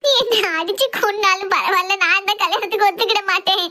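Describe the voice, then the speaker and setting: A woman's voice: very high voice, fairly even intonation, fast, bright, forceful tone. Woman doing a tearful pleading young daughter.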